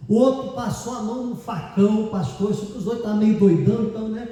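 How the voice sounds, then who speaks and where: A man's voice: high voice, quick pace, warm tone. A male pastor with a Brazilian Portuguese accent telling a story in a sermon, talking conversationally and hedging over details as he recalls them. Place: large church hall. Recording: echoey church hall from far off.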